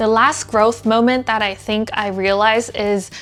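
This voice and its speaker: Over music in the background, a woman with a Chinese accent speaks at a moderate pace in a fairly high pitch and a monotone, flat intonation. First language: Mandarin Chinese. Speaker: software engineer and YouTuber. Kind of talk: casual chat.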